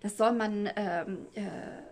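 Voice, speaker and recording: A woman voicing a concerned older woman friend in a spoken story, soft and hesitant. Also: medium pitch, fairly even intonation, slow.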